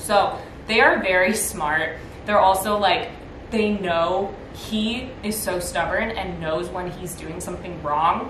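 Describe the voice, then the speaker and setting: Her pitch varies in an ordinary way as a woman talks against noticeable background noise. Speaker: dog owner vlogger. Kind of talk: casual vlog chat. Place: home room. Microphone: camera far.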